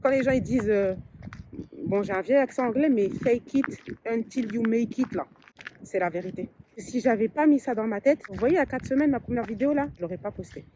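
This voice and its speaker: A young woman vlogging outdoors during a run, excited and cheerful, with casual slang, into a handheld phone. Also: on the high side, poor audio. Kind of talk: casual vlog chat. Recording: outdoor noise clearly audible.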